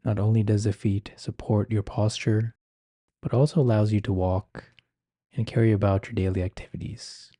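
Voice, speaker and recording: Male meditation guide: deeply relaxed, mellow low voice, gentle ASMR-like instruction, dry intimate recording. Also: dry recording. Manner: gentle, measured, unhurried phrasing with soft instructions.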